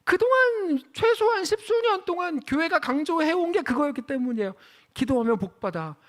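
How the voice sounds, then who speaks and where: A pastor preaching an impassioned sermon at a church service, firing rhetorical questions at the congregation and swinging between loud emphatic lines and hushed low ones. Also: a little fast.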